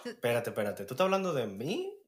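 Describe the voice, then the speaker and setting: A man's voice: medium pitch, wildly swooping pitch, quick pace. A man with a Dominican accent, joking and bantering in slangy casual chat as a podcast co-host.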